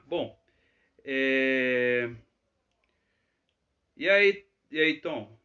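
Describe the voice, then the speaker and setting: A man's voice: medium pitch, expressive, very slow, lo-fi sound. A man teaching English in a live Q&A, chatty and always checking in with tag questions. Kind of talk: live Q&A lesson.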